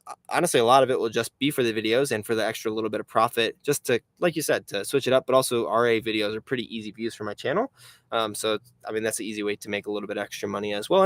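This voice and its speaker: A man's voice: fairly low pitch, fast talker, no room sound. A man in his twenties chatting casually on a live stream, reading out chat questions and grumbling aside about a website that keeps failing. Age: 20s. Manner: chatty and rambling, reads chat questions aloud, frustrated asides. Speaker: online reseller hosting a live stream.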